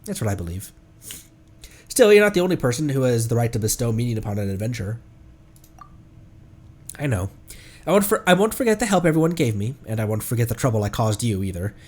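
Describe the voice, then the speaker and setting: A man's voice: medium pitch, sing-song, fast, long pauses, darkish tone. A man voicing an earnest, solemn adventurer from a fantasy game, reading the dialogue with feeling. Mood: heartfelt.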